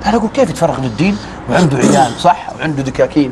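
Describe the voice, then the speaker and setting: A man talks very fast with a fairly high pitch and lively intonation. Noticeable background noise is heard. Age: 40s. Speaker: preacher. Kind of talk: casual chat. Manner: animated.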